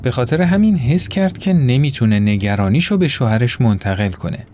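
A man narrating a story in an expressive, acted-out way. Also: medium pitch, slight background noise. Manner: expressive, voices characters.

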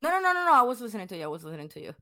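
A woman's voice: fairly high pitch, big pitch swings, racing, pushed and bright, no echo, clean studio sound. A young woman from Puerto Rico with a Puerto Rican accent, Spanish her first language, talking casually and animatedly in an interview with many restarts. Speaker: guest.

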